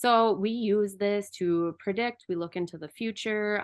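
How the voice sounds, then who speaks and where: Fairly even intonation marks a woman speaking with a Wisconsin accent. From US Upper Midwest, Oshkosh, Wisconsin. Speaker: numerologist. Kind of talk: casual interview chat.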